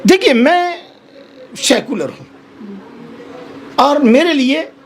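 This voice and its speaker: A man's voice: very high voice, lively intonation, slow pace, a little hiss or hum. A man, a Hindu holy man appearing as a guest in a heated television debate, who speaks in an impassioned, pleading way and keeps repeating himself.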